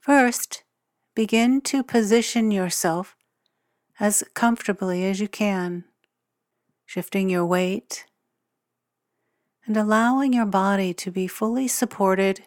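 A woman leads a guided meditation at a very slow pace. Her delivery is gentle and measured, with long pauses between short phrases. Her mid-pitched voice is recorded close and dry, with no room sound. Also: no room sound. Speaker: meditation guide and podcast host.

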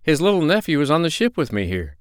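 A man voicing a kind, cheerful animal doctor in a storybook, speaking gently and reassuringly. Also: on the high side, very animated, fast, clear, resonant tone, no echo, clean studio sound, voice pushed up.

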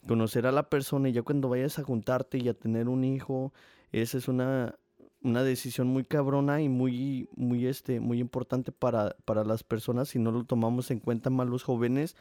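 A young podcast host with a Mexican Spanish accent rambles through a casual monologue, using slang and swearing often. His medium-pitched voice is warm, and the recording is dry with clean studio sound.

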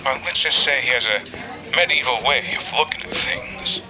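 An actor playing a gruff, wary older treasure-hunting mentor in an audio drama, dry and admonishing. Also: male voice, mid-range voice, normal speed, background noise, natural voice. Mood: terse, cautioning. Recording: loud music under the voice.

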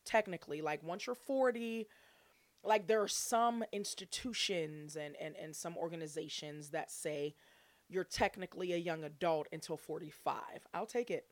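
A woman's voice: lowish voice, normal speed, no echo. A forty-year-old woman hosting a casual solo podcast, chatting in an exuberant, playful, chummy way straight to her listeners. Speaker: podcast host.

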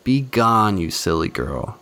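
A man's voice: on the low side, very animated, a little slow, fairly bright tone. A man voicing a sly, cruel goblin-like red cap that taunts with riddles in a storybook reading. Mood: dismissive. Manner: taunting, mocking.

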